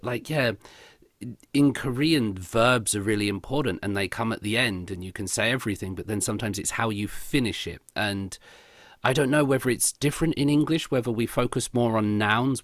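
Low-voiced male host, dry sound. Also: fairly bright tone, no room sound. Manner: reflective, asks long questions with restarts and backchannels. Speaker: interview host. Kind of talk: casual conversational interview.

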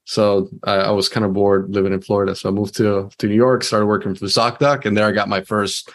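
A man's voice: lowish voice, level tone, fairly quick. A man from Venezuela, a sales leader, talking casually as an interview guest with frequent restarts.

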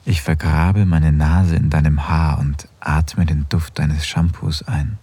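An actor playing an affectionate married man in an intimate audio drama, speaking softly and close to a whisper. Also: rumbling low, steady tone, slow pace, breathy edge, full character voice. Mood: tender. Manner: soft, intimate, often near a whisper. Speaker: husband in an erotic audio drama.

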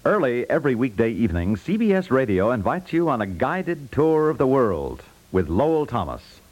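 Old school 50s radio announcer guy reading a promo, polished, very lively pitch. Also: dull audio. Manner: polished, measured emphasis. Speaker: network announcer. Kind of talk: 1950s radio promo, scripted narration.

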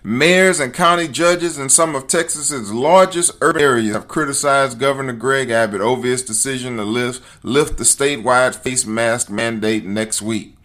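A man hosts an opinion talk show. He talks emphatically, addressing his listeners directly as folks. His voice sits at an ordinary middle pitch for a man. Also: normal speed, hardly any pauses, fairly bright tone. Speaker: podcast host.

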